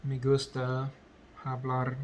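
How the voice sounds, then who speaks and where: Hesitant man, very slow and flat. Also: medium pitch, a little hiss or hum. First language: English. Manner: hesitant, many ums and self-corrections. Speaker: language learner vlogger. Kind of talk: halting unscripted speech practice.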